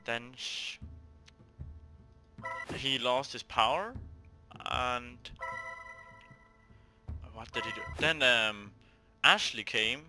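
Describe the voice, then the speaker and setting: A man's voice: medium pitch, extremely slow, long pauses, over music. A man hosting a gaming video, reading a visual novel aloud with casual commentary, often stumbling and repeating words.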